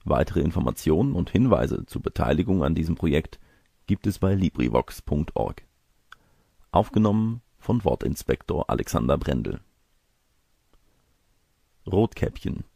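A man's voice: rumbling low, creaky, mellow, husky, no echo, clean studio sound. A man narrating a fairy tale from a script as an audiobook reader.

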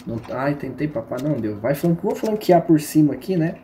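A man's voice: on the high side, very animated, fairly quick, dark tone, slight background noise. A man with a Brazilian Portuguese accent streaming a shooter game, giving slangy, joking live commentary and teasing his viewers.

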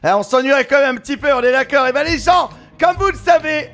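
A man giving excitable, exclamatory let's play commentary as a gaming YouTuber, often shouting with excitement. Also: extremely high pitch, quick pace. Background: game music.

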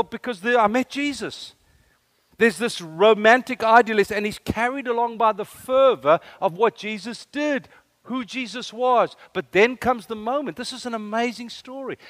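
A man from South Africa with an Afrikaans accent, preaching an animated sermon and asking the room questions. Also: sits high, no echo. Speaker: guest preacher.

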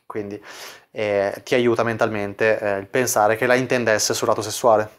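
A man's voice: fairly low pitch, little pitch movement, moderate pace. A man working as a dating coach, casually explaining chat screenshots and leaning on filler words as he talks. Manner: casual, full of "quindi" fillers.

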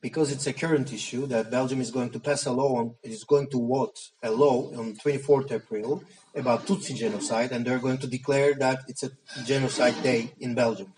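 A man's voice: mid-range voice, steady tone, a little fast, a little mellow, slight background noise. A man from Turkey, a native Armenian speaker and journalist, giving a talk at a public meeting in hesitant English full of fillers and restarts. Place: meeting hall. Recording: speaker heard from far off.

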